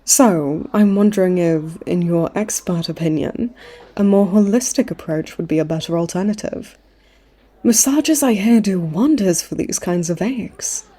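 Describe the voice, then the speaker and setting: Smug, mellow-voiced flirty villainess played by a woman. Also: lowish voice, a little slow. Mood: flirty, sweet. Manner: teasing, mock-sweet, theatrical taunting. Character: smug flirtatious female supervillain in her late twenties, hospitalized. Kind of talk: comedic audio roleplay acting.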